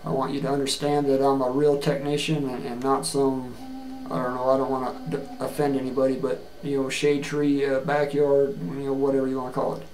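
A middle-aged man giving a plain-spoken, earnest video resume, halting often with fillers and restarts, recorded on a webcam in a small room. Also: medium pitch, monotone, a little mellow, a little hiss or hum. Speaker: job seeker. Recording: echoey room with faint ambience.

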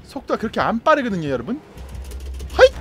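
A young man streaming a horror game, giving excited, playful commentary and jokingly pleading with the killer. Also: high-pitched, quick pace, faint music behind. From Korea. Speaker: gaming streamer. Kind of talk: excited live gameplay commentary.

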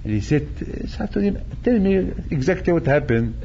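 A man's voice: fairly high pitch, animated, fairly quick, vocal fry, mellow, highs cut off, slight background noise. An older man, a rabbi, preaching animatedly, repeating phrases and acting out quotes, speaking into a stand mic in a synagogue hall. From Morocco. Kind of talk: sermon. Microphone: stand mic at chest.

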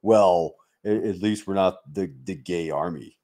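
Warm in tone and a bit slow, his low voice carries casual banter to his livestream audience. He's an American military veteran from Mississippi who jokes around bluntly and swears a lot.

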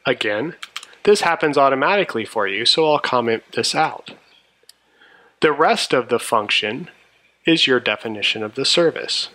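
A man's voice: mid-range voice, expressive, normal speed, pushed and bright. A man narrating a programming tutorial in a methodical, explanatory way. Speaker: programming instructor. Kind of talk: tutorial narration over a screencast.

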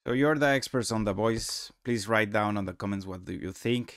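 A man presents a software walkthrough in a low, gravelly voice. His English is non-native and halting, with a casual delivery. The sound is close and dry. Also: no echo. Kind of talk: casual screen-recorded tutorial narration.

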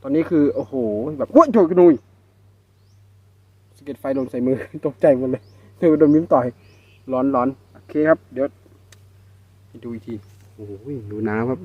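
A man with a Northeastern Thai accent talks straight to his camera outdoors as he cuts wild bee nests from low branches. He exclaims often, and he speaks in an easygoing, chatty way at a middle pitch. The sound comes through a handheld camera mic. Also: normal speed, pauses often, no room sound, phone-quality sound. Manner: excited exclamations, addresses viewers as brothers and sisters. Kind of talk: casual narration while working outdoors. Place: outdoors in rural scrubland.

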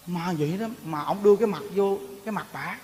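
A man's voice: high-pitched, quick pace. A man with a Southern Vietnamese accent preaching a Buddhist sermon, telling stories with animation and acting out the voices of the people in them. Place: temple hall. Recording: echoey hall reverb.

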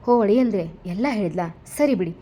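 A woman's voice: mid-range voice, fairly quick, dark tone, natural voice. A woman voicing a sarcastic, threatening older man who schemes against his son-in-law in a narrated audio story. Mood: mocking threats.

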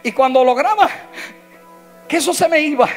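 A male pastor preaching an impassioned sermon, swinging from shouted lines to hushed, tearful tones. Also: very high-pitched, animated, moderate pace, faint music behind.

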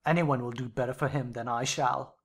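A woman's voice: rumbling low, steady tone, fairly quick, pitched below the performer's own voice. A woman voicing a reckless, drunken middle-aged father who speaks with scorn and mockery. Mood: scornful. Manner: scornful and mocking.

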